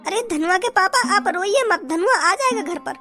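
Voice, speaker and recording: A performer voicing a gentle village mother in a cartoon, comforting her husband. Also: very high voice, animated, normal speed, music in the background. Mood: soothing. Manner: soothing.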